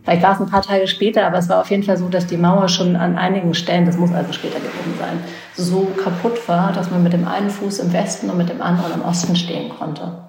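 A woman's voice: on the low side, flat delivery, fast, vocal fry, darkish tone, roomy sound, slight background noise, poor audio. A woman in her forties from Berlin, an interview guest and author, telling personal memories thoughtfully and often restarting her sentences. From West Berlin, Germany. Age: 40s. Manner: thoughtful, searching for words, frequent restarts. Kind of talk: reflective personal storytelling.

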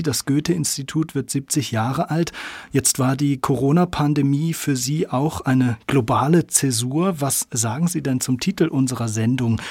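Male radio presenter, articulate and measured, a bit husky. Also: medium pitch, a little mellow, dry recording. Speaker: radio host. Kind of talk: radio magazine interview and narration.

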